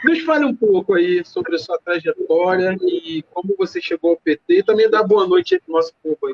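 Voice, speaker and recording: A man with a Carioca accent speaks at a moderate pace. His pitch is high and his intonation lively. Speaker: live show host. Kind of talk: interview.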